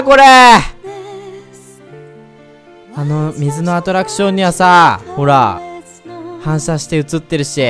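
A man giving let's play commentary, chatty and excitable, talking straight to his viewers and breaking into loud whoops. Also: fairly high pitch. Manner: chatty, speaks to viewers directly. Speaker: game commentator.

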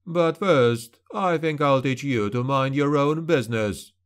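A man voicing an arrogant young nobleman bully in an audiobook, snarling and mocking with a slight drawn-out lisp. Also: medium pitch, natural voice. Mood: hostile.

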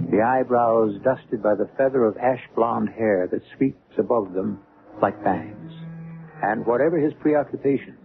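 Gravelly male radio mystery host, theatrical. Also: on the low side. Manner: theatrical, deliberate. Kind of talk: dramatic scripted narration, old-time radio. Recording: muffled, lo-fi old radio broadcast. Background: music.

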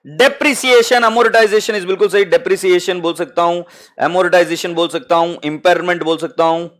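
A man's voice: sits high, steady tone, moderate pace, fairly bright tone. A man with an Indian accent teaching accounting to a live class, mixing Hindi and English and calling students "beta" fondly.

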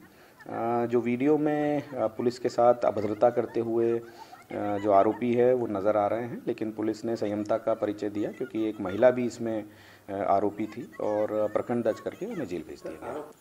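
A man in his thirties, a police officer, gives a formal, halting press statement with hesitant pauses into desk microphones in an office. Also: fairly low pitch, warm tone, a little hiss or hum. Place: indoor office. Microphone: cluster of press microphones on desk.

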